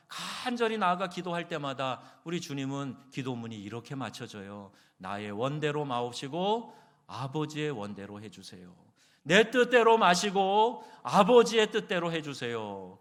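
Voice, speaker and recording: Guy preaching a sermon, gets worked up and loud, big echoey church sound. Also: mid-range voice. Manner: animated preaching, rising to fervent exclamations. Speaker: pastor. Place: church sanctuary. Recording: church hall reverb.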